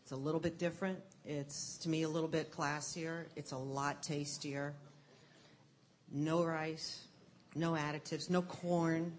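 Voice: medium pitch, flat delivery, a little slow, slight background noise. A speaker who runs craft beer classes, explaining them earnestly in casual chat with some fillers.

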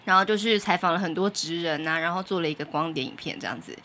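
A woman with a Taiwanese Mandarin accent, chatting casually as a podcast co-host, agreeable and quick to chime in. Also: lowish voice, sharp tone. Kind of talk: casual chat.

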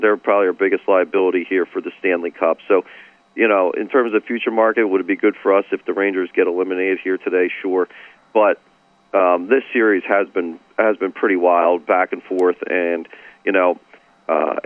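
A hoarse man calls in over a thin, tinny phone line, his voice sitting low. He walks through betting lines at a measured pace, dropping plenty of "uh"s as he goes. The sound is dry and close. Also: dry recording. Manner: measured betting analysis with frequent "uh" fillers. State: hoarse, partly lost voice. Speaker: sportsbook director guest. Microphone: phone call.

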